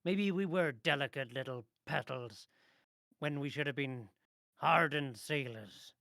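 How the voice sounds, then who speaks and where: A man voicing a gruff old fisherman in a tabletop role-play, sentimental and haunted by his lost crew, talking in salty sailor phrases. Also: mid-range voice, unhurried, pushed and bright, dry recording, clean studio sound. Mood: mournful, regretful. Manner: gruff old-sailor talk with matey and aye.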